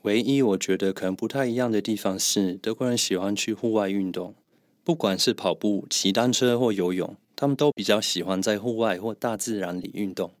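A man co-hosting a podcast as a German teacher, calmly and methodically explaining pronunciation. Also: lowish voice, a little fast, dry recording, clean studio sound. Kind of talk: podcast language lesson.

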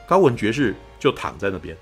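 Fast-talking podcast host. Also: male voice, on the low side, soft background music. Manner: animated storyteller, keeps asking "you know?". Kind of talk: casual film review chat.

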